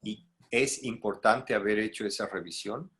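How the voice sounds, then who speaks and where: Animated moderator asking a panel questions. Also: male voice, lowish voice, moderate pace.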